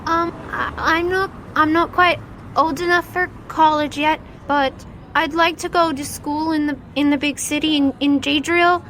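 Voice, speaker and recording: A woman voicing a small, poor, ragged boy who speaks politely and haltingly in a tabletop game. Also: high-pitched, fairly even intonation, fairly bright tone, slight background noise, voice pushed up. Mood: shy, hopeful.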